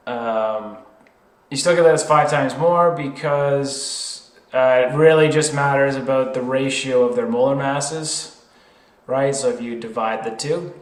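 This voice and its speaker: A man's voice: medium pitch, echoey room. A man working through a problem as an informal tutor, hesitant, thinking aloud and correcting himself.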